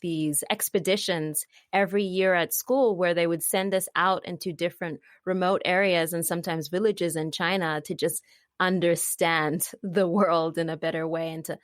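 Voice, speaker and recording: A woman's voice: on the low side, steady tone, normal speed, no echo, clean studio sound. A teenage woman hosting a podcast, chatty and upbeat in casual conversation, saying "like" often. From Zimbabwe, raised in London and Beijing. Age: teens. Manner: chatty and upbeat, uses "like" a lot. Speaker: podcast host.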